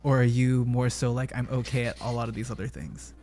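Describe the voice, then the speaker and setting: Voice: medium pitch, steady tone, a little fast, dark tone, a little hiss or hum. A streamer hosting a casual chat with a guest, chatty and encouraging, with many fillers and restarts. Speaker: streamer host.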